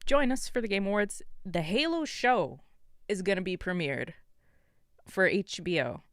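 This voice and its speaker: A woman's voice: medium pitch, animated, a little slow, no room sound, clean studio sound. A woman co-hosting a gaming live stream in casual, opinionated panel chat.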